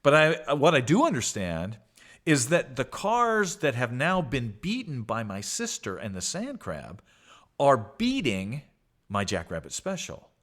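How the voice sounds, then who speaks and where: A man hosting a podcast, telling a story with animated delivery and acted-out childhood voices. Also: mid-range voice, a little slow. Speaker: podcast host.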